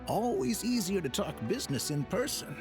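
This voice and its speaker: A man's voice: high-pitched, big pitch swings, normal speed. An actor playing a pushy, greedy male black-market merchant in a video game, talking in an eager, wheedling way. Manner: eager, wheedling sales talk. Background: game music.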